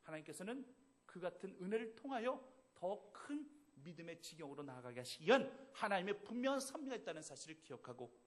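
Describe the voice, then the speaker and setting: A man's voice: high voice, big pitch swings, fast. A man from Seoul preaching a sermon at a church service, emphatic and at times playful with the congregation. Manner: emphatic preaching with rising, swelling phrases. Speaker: pastor.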